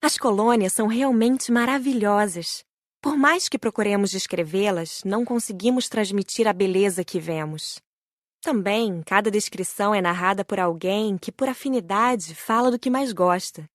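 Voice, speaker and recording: A woman with a Brazilian Portuguese accent reading a spiritual book aloud as a first-person narrator, gentle and admiring. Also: medium pitch, normal speed, dry recording, studio quality. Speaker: audiobook narrator.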